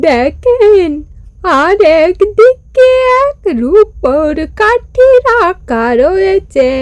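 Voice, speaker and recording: A woman narrating a scripted fairy tale as a storyteller, in a dramatic, drawn-out delivery. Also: very high-pitched, a little mellow, no echo.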